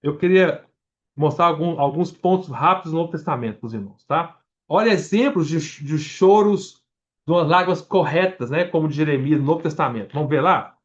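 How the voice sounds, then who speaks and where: A man's voice: fairly high pitch, brisk, muffled recording. A Brazilian man with a Brazilian Portuguese accent preaching a Bible-study sermon, reading scripture aloud verse by verse, restarting words and explaining as he goes to the congregation. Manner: addresses the congregation directly.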